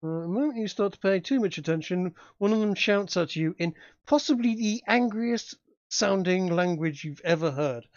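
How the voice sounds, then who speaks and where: A man's voice: high voice, expressive, no room sound, lo-fi sound. A man narrating a tabletop game as game master, describing scenes with frequent fillers and restarts. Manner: halting, many restarts and fillers.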